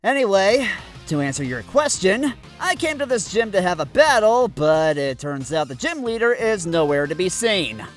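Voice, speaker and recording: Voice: mid-range voice, big pitch swings, moderate pace, soft background music, close to an everyday voice. An actor voicing a surly, brooding, exasperated boy rival in a fan parody cartoon, sullen and snappish. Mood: sullen, guarded.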